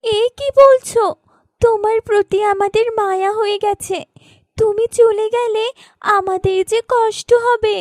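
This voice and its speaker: A woman's voice: very high voice, steady tone, a little slow, a little mellow, no echo, clean studio sound, voice pushed up. A woman voicing a kind, eager young village girl in a children's cartoon, with a tender, pleading manner. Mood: sad, pleading. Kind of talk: children's moral cartoon voice acting.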